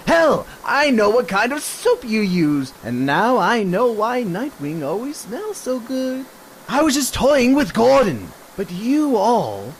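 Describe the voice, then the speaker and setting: Killer clown villain: very high, slow, mocking and menacing, radio drama, noisy background. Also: male voice, heavily acted. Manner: taunting, sing-song, swinging from hush to shriek. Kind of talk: superhero radio drama acting.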